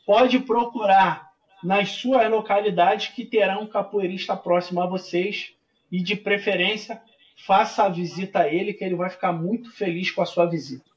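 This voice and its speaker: A man with a carioca accent, a capoeira master chatting warmly as a podcast guest over a video call. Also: sits high, steady tone, normal speed, dull audio. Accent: Rio de Janeiro Portuguese. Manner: warm, effusive, addresses host as friend. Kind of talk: casual podcast interview, singing capoeira songs.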